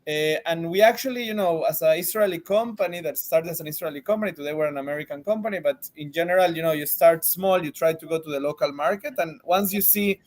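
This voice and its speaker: A man's voice: a little high, quick pace, hardly any pauses. Man, casual guest. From Venezuela. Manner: casual, many fillers and restarts. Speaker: marketing executive guest. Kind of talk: interview answers. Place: office.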